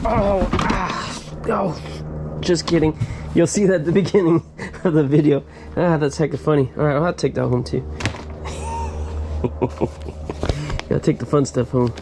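A middle-aged man, a storage unit reseller, chatting casually through an unboxing, bursting into excited exclamations over his finds, recorded on a head-mounted camera in a storage unit. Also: fairly high pitch, a little slow, long pauses, noisy background. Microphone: head-mounted action camera.

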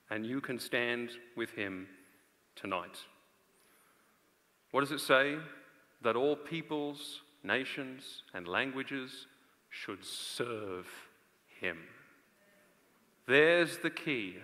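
Bright-voiced man preaching in a big echoing hall. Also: mid-range voice. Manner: earnest, rhetorical, with dramatic pauses and swings from loud to hushed. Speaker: preacher and conference speaker. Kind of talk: live sermon to a large audience. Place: stage of a large indoor auditorium. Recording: long reverb of a large auditorium.

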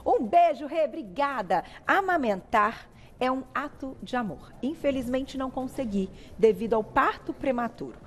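A middle-aged Brazilian woman hosts a TV talk show, her voice sitting a little high. She chats warmly and tells personal stories with feeling. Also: animated, normal speed. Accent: Brazilian Portuguese. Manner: warm, chatty, emotional storytelling. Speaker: TV show host.

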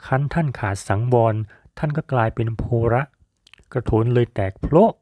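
A man tells an old folk tale in a calm, measured storytelling voice. His tone is mellow and relaxed. The recording is dry and close. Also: medium pitch, no echo. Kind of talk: storytelling narration.

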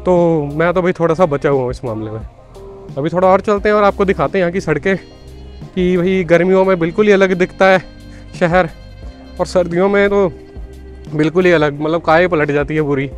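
Young male vlogger, quick and chatty, high voice, handheld camera outdoors, faint music behind. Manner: chatty, mixes Hindi with English, calls viewers "bhai". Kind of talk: casual walking-tour vlog. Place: snowy city street outdoors.

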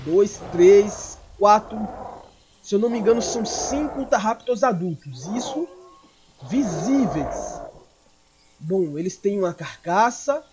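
A young Brazilian man with a Brazilian Portuguese accent, narrating a game in character as his creature, excitable and quick to shout in panic. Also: sits high, background noise. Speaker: gameplay streamer. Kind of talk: in-character gameplay commentary.

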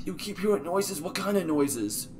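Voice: medium pitch, lively intonation, measured pace, a little mellow, slight background noise, natural voice. A performer voicing a skeptical, exasperated male animatronic rabbit who talks in a dismissive, reassuring way in an amateur cartoon skit. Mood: weary.

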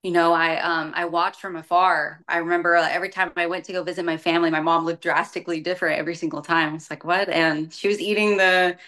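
A woman's voice: lowish voice, level tone, fast talker, hardly any pauses, fairly bright tone. A young adult woman, casually telling her personal story in a conversational way, peppered with "like" and "you know". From born in Europe, grew up partly in the United States. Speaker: bikini competitor and fitness coach, podcast guest. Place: small room at home.

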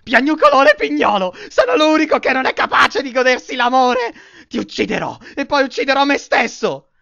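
A man in an amateur anime fan dub playing a girl-crazy, excitable teenage schoolboy, melodramatic and swinging between outbursts and hushed lines. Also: extremely high pitch, moderate pace, vocal fry, exaggerated voice. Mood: whiny, frustrated. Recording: dull lo-fi home recording.

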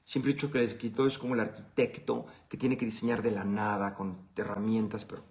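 A man's voice: on the low side, little pitch movement, brisk, a little mellow. A man with a Mexican Spanish accent hosting a casual live Q&A. He answers viewer questions in a blunt, profane, conversational way.

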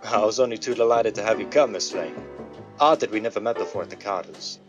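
A man playing a smooth but nervous crooked businessman in a 1930s style radio drama. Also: lowish voice, fast, over music, lightly acted. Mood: charming. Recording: dull band-limited vintage-style radio sound.

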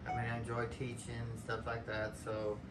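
A man's voice: mid-range voice, monotone, brisk, distant mic. A man chatting casually and plainly beside the host. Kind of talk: casual chat. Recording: roomy, off-mic, noisy.

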